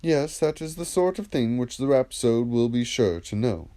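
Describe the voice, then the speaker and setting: A man's voice: mid-range voice, lively intonation, normal speed, dark tone, lightly acted. A man reading the part of a vain but agreeable reciter of epic poetry in a dramatised dialogue, answering with deference and assurance. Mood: agreeable, self-assured.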